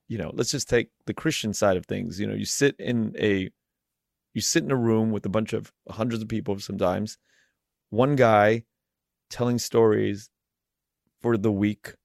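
Gravelly-voiced man hosting a podcast. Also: fairly low pitch, fairly even intonation, normal speed, long pauses, darkish tone, no echo, studio quality. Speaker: podcast host. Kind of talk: conversational interview.

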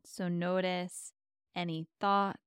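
A woman with a slightly low, smooth voice guides a mindfulness practice. She speaks softly and gently, leaving space between soothing instructions. The sound is clean and dry, close and clear. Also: flat delivery, no echo. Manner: gentle, slow, spacious instructions with long pauses. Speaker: meditation podcast host and guide. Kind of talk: soft, soothing guided meditation.

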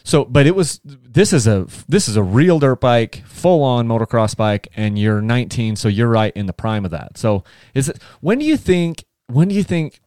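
A man's voice: mid-range voice, expressive, normal speed, hardly any pauses, darkish tone, no echo, clean studio sound. A man hosting a casual interview, who rambles and restarts his questions often. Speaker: podcast host.

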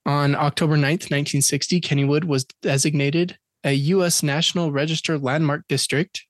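A podcast co-host chats casually, reading dates and facts aloud and joking along the way. His fairly high voice keeps a moderate pace with fairly even intonation, recorded dry at studio quality.

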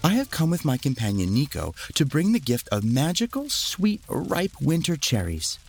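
A man's voice: a little high, huge pitch swings, moderate pace, vocal fry, husky, faint music behind, voice pushed up, full character voice. A man voicing a kind, earnest and humble poor noblewoman in a storybook tale.

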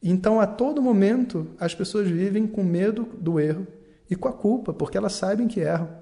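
Man, teacher type, mellow and slightly high voice, calm explanatory delivery. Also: a little fast, gravelly. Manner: calm, explanatory, acts out little dialogues. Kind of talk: talk on learning and mistakes.

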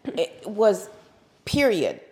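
A woman's voice: medium pitch, big pitch swings, very slow, a little mellow. A middle-aged woman, a real estate agent, chatting as a podcast guest. She tells her story animatedly, laughs often and acts out her own past thoughts. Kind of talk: casual interview chat.

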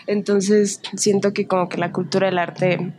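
A young woman from Tijuana with a northern Mexican accent, a musician guesting on a podcast, bubbly and quick to laugh. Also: medium pitch, flat delivery, darkish tone. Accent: northern Mexican Spanish (Tijuana). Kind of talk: casual interview chat.

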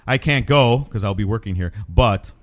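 A man's voice: fairly low pitch, fairly bright tone. A man hosting a casual chat podcast, chatty and running the segments. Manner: quick, chatty, runs the segments. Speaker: podcast host.

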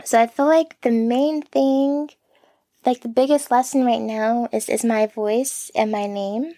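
A young woman hosting a solo podcast, talking in a soft, earnest, self-reflective way into a close mic. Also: a little high, steady tone, measured pace, no echo. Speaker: podcast host.

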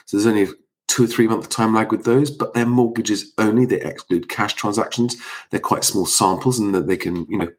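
Male streamer, lowish voice, slightly congested, informal commentary kept hushed for a sleeping household at night. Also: fairly even intonation, brisk. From Sussex, England. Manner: speaking quietly at night so as not to wake sleeping children. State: slight cold. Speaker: live stream host. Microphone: close microphone.

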